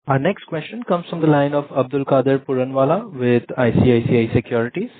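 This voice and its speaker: A man's voice: medium pitch, animated, a little fast. A man moderating a conference call with formal, scripted announcements. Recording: narrow tinny phone-line audio.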